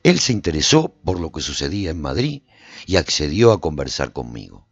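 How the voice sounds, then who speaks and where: A man narrating a radio drama in an expressive storytelling manner. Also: low voice, fairly quick, dry recording. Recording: dull lo-fi recording with faint music.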